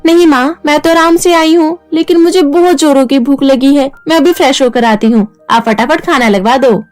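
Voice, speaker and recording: A spoiled, demanding young woman from a cartoon story, voiced by a woman. She sounds high and petulant and always wants her way. Faint music sits behind her. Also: normal speed, natural voice.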